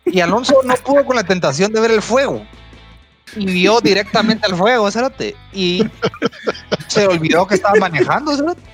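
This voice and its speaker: A man telling a road-trip story on a podcast, animated and profane. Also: high voice. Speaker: podcast host. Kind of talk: casual storytelling chat.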